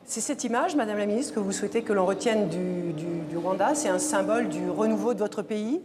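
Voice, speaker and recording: A woman's voice: medium pitch, fairly quick, music in the background. A woman hosting a broadcast interview, asking probing questions with some hesitation. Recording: long reverb, crowd behind.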